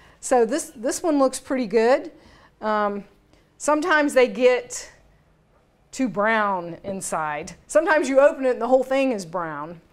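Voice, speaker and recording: A woman's high-pitched voice at a fairly slow pace, with very wide pitch swings. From Texas. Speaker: cooking show presenter. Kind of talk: cooking demonstration. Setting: studio kitchen. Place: kitchen.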